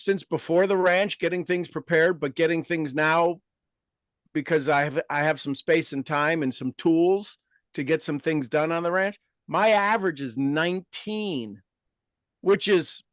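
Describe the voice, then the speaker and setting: Man, 50s, motivational podcast host; slightly high, dry, emphatic, repeats himself. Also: unhurried, fairly bright tone, no echo. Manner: emphatic, repeats key phrases. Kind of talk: motivational casual talk.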